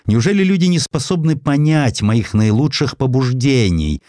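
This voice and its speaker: A man's voice: medium pitch, animated, normal speed, mellow, no echo, studio quality, pitched above the performer's own voice, natural voice. A man voicing a proud, embittered, cynical ageing industrialist in a declamatory, emphatic way for an audiobook. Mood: wounded, bewildered. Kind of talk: acted quotes in an audiobook.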